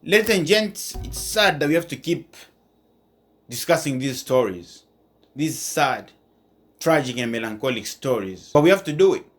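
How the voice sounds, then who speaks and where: A man's voice: medium pitch, animated, normal speed, soft background music. A man hosting an online channel with informal news commentary, restating his points as he goes.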